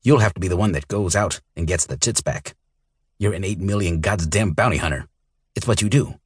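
Man doing old lizard alien, hissing, slow, grudging, deep, raspy. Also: no echo, clean studio sound. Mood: gruff. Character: old male lizard-like alien weapons dealer, gruff and bitter.

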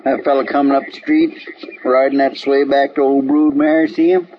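An actor playing a poor, easygoing frontier deputy who talks in a slow, folksy rural drawl, in a 1950s radio drama. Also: male voice, mid-range voice, little pitch movement, natural voice. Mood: gossipy. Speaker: marshal's helper. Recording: dull old radio broadcast, faint hiss.

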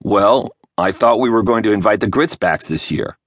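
A man's voice: lowish voice, expressive, normal speed, no echo, clean studio sound. A man voicing a joking, easygoing father. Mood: wry. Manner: wry, joking.

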